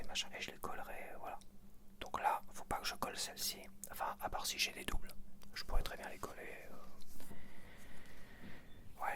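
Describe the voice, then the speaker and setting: A man speaking in a breathy, intimate whisper, casually commenting unscripted for ASMR as if to one listener. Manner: hushed, intimate, addressing one listener informally. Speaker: ASMR video creator.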